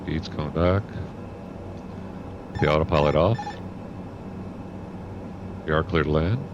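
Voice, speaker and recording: A man talking as a pilot through a cockpit headset mic, calmly running checklists and commenting as he flies. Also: rumbling low, takes it slowly. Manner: calm, methodical checklist talk. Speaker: flight sim streamer playing pilot. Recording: muffled headset audio over loud aircraft hum.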